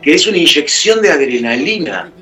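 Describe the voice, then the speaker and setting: A man's voice: fairly high pitch, big pitch swings, brisk, bright, forceful tone, far from the mic, soft background music. A man with a Rioplatense Spanish accent, a guest musician in an interview, telling a heartfelt story and acting out the dialogue. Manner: heartfelt, acts out quoted dialogue.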